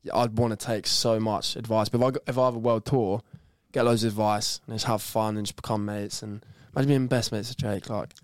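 A man's voice: on the low side, flat delivery, a little fast, hardly any pauses, dry recording, clean studio sound. A young man in casual chat, slangy, matey and laid-back.

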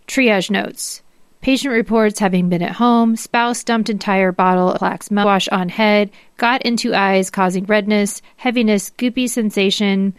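A woman's voice: mid-range voice, fairly even intonation, unhurried, clear, resonant tone, no room sound. American woman reading documents aloud, dry sound. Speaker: podcast co-host. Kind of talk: dramatic reading of documents and explanatory commentary.

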